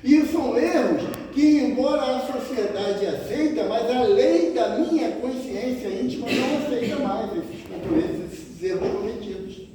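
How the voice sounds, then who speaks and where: A man's voice: very high-pitched, warm tone. A man with a Brazilian Portuguese accent giving a spiritist lecture and asking the audience rhetorical questions. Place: lecture hall of a spiritist center. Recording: echoey hall, distant mic, faint ambience.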